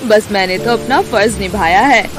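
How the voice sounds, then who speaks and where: A woman's voice: medium pitch, normal speed, close to an everyday voice. Casting: woman as modest young village cobbler for cartoon storybook, mid-range voice, courteous, over music. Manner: polite, modest. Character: humble, dutiful poor young cobbler man. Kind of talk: Hindi animated fairy-tale voice acting.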